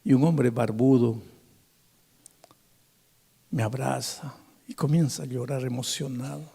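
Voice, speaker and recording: An older male pastor telling a story in a sermon, acting out the dialogue and building to loud, passionate peaks. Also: medium pitch, a little slow, vocal fry, slightly rough. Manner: animated, acts out dialogue, builds to loud climaxes.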